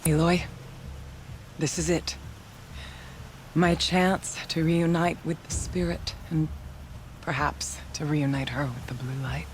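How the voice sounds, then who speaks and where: An actor playing a solemn, devout tribal shaman in a video game, speaking in measured, formal, reverent phrases. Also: on the high side, fairly even intonation, a little hiss or hum. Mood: earnest, grateful. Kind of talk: dramatic video game cutscene acting.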